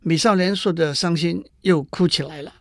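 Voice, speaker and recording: A man narrating a classic fable and explaining a poem in a measured, explanatory way. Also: fairly high pitch, no echo, clean studio sound. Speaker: storyteller. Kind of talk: storytelling narration for listeners.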